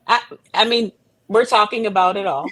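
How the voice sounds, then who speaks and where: A woman's voice: mid-range voice, normal speed, a bit bright, dry recording. A woman guest talking conversationally in an interview, earnest and emphatic. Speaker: playwright and director, guest.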